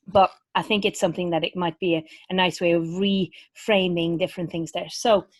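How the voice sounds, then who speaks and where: With a Norwegian accent, a woman talks fairly quickly at a fairly low pitch, her intonation monotone and flat. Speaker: vocal coach. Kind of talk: webinar lecture. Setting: video call. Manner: halting, many fillers.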